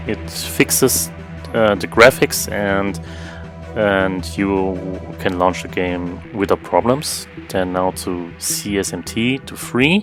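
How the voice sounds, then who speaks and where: Music plays in the background. The speaker talks very slowly with a non-native accent and ordinary pitch variation. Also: man, very deep, low pitch for a man. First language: not English. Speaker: gaming tech youtuber. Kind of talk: tutorial voice-over. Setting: low-quality microphone.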